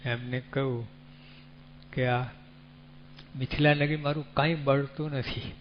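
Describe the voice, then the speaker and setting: Male preacher, measured sermon delivery, faint hum in the background. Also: medium pitch, fairly even intonation. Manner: unhurried, teaching with rhetorical questions and animal examples. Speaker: religious speaker. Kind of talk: devotional sermon. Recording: dull lo-fi recording with faint hum.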